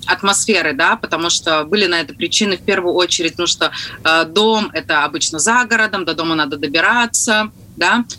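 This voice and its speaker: A woman's voice: on the low side, pushed and bright, rough recording. A woman giving explanatory interview answers, hesitant and broken into short phrases. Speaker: TikTok house representative, guest.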